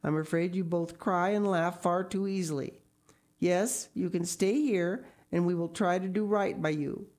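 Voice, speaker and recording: A strict older guardian woman in a storybook, acted out by a woman narrator. She speaks in a brisk, practical way, with firm disapproval and no patience for fancy. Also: fairly low pitch, a little mellow, pitched above the performer's own voice, close to an everyday voice. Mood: disapproving.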